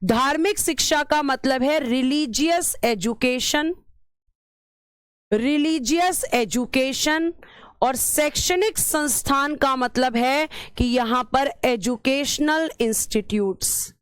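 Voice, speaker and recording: Her voice sits high and she takes it slowly, barely pausing as she runs an exam-prep lecture for students she calls "beta." She repeats key terms and answers questions she raises herself. The tone is clean, with no echo and clean studio sound.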